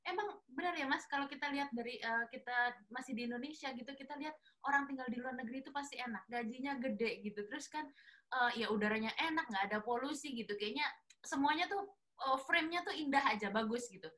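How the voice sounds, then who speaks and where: A woman hosts a casual interview and asks friendly questions. Her voice is bright and sits slightly high. She keeps the talk easy and relaxed. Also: fast. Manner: friendly, asks questions, short backchannel replies. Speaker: interviewer host.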